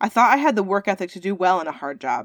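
In a very clean recording with a silent background, a woman with an ordinary speaking voice talks at a fairly quick pace, her medium pitch showing ordinary pitch variation. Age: 30s. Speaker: nurse, podcast co-host. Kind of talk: casual chat.

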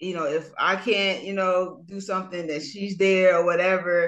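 Woman of medium pitch with a Southern US accent. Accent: Southern US (Georgia). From US South, Georgia (Roberta). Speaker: real estate agent, military veteran. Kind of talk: interview. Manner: hesitant, many fillers.

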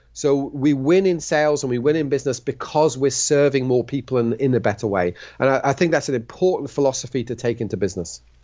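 A man speaks at a very fast pace with hardly any pauses and ordinary pitch variation. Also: medium pitch for a man. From United Kingdom, raised in Switzerland. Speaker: sales trainer and speaker. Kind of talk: podcast interview.

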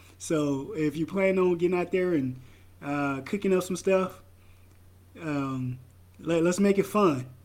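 Recorded very cleanly with a silent background, a man with an American accent speaks high and fairly slowly, with ordinary pitch variation and long, frequent pauses. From US South. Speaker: podcast host. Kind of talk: casual monologue.

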